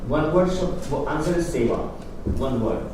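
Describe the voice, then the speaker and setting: His voice is on the high side, expressive and measured in pace. A guest speaker on Hindu philosophy, he earnestly explains ideas to a lecture-room audience using plain, non-native phrasing, recorded far from the mic in an echoey, noisy hall.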